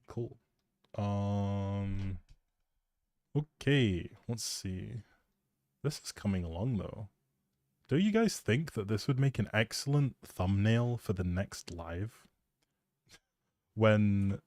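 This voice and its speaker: Low, mellow-voiced man rambling casually. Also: dry recording. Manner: informal, thinking out loud. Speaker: live streamer. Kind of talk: casual rambling game stream chat.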